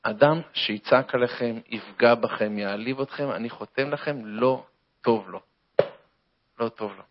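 A man telling a comic story and drawing a moral from it in an animated, lecturing way, on a dull lo-fi recording. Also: medium pitch, slight background noise.

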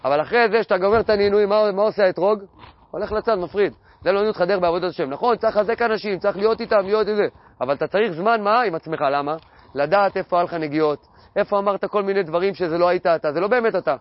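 A man giving a Torah lesson, asking questions and answering them himself, and repeating key phrases in a steady teaching cadence. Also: high voice, no echo, dull audio. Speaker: religious teacher.

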